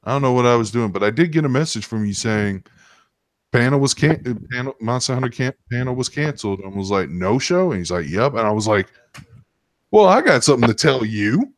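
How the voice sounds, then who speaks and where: A man's voice: medium pitch, animated, a little fast, no room sound. A man hosting a casual stream, telling stories in a rambling, sometimes profane way. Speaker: stream host. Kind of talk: casual storytelling chat.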